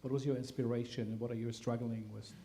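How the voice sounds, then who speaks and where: A man's voice: mid-range voice, flat delivery, fast, dark tone. A man moderating a panel, putting unscripted questions in short, hesitant phrases.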